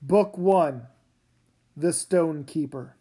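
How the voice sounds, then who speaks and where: A woman's voice: sits low, drawn-out words, mellow, breathy edge. A woman reading a graphic novel aloud as a dramatic storyteller. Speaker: story reader.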